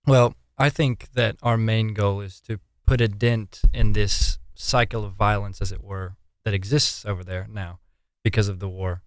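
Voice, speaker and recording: Low, smooth twenty-year-old man. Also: fairly even intonation, normal speed, dry recording. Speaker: interview guest, relief volunteer. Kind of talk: earnest interview answers.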